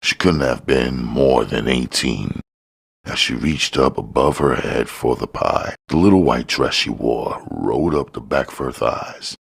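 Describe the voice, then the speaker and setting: A man's voice: extremely low pitch, measured pace, creaky, slightly rough. A man reading a crime novel aloud as an audiobook narrator.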